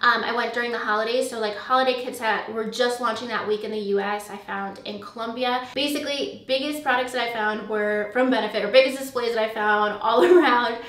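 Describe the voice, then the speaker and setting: A woman's voice: on the high side, steady tone, fairly quick, few pauses, a bit bright, far from the mic. Chatty young woman in an echoey room. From USA. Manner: chatty, many fillers like "um" and "like". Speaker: beauty vlogger. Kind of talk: casual chat to camera. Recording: echoey room, voice slightly off-mic.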